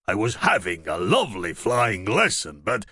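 A man doing a clumsy, good-natured young dragon from a storybook, stammering and bumbling as he talks. The voice swoops widely between high and low, and the recording is close and dry with no room sound. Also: big pitch swings, moderate pace, bright, forceful tone, husky, no echo, full character voice. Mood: bashful.

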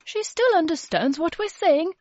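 A woman's voice: very high voice, lively intonation, normal speed, no echo, dull audio, voice pushed up. A woman voicing a fond old grandmother in a storybook, coaxing and sing-song.

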